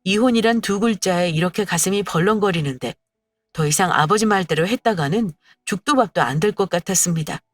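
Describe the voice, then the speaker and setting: Woman narrating a story, steady. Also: lowish voice, fairly quick, dry recording, far from the mic, soft background music.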